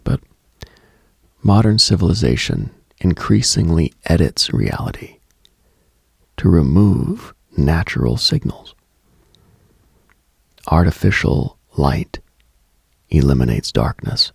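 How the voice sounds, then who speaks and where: A man hosting late-night radio with a brooding, deliberate scripted monologue in a hushed, husky, gravelly voice. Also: rumbling low, big pitch swings, no room sound, studio quality.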